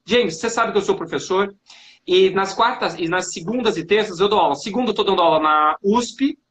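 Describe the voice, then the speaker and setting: A man's voice: sits high, brisk, a bit bright, a little hiss or hum. A man from Brazil hosting a casual live finance chat, friendly and joking as he talks over a video call. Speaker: host and finance professor. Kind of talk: casual live-stream interview.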